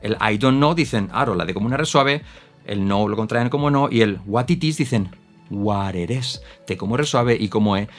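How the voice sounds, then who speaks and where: A man's voice: medium pitch, brisk, faint music behind. Man explaining English pronunciation. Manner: animated, demonstrates pronunciations with exaggerated examples. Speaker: English teacher. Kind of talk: explanatory teaching talk.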